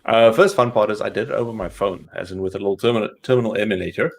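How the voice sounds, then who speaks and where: A man with a fairly low, fry-edged voice talks at a racing pace while co-hosting a casual tech live stream. He tells anecdotes in a rambling way, often interrupting himself mid-story.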